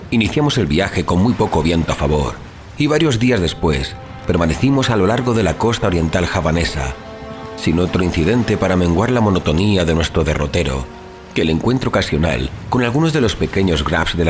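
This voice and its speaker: An actor playing a grave, rational, educated traveler telling his story in solemn, measured, formal literary narration for an audio drama. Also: deep voice, expressive. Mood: solemn, reflective. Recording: music playing behind the voice. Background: background music.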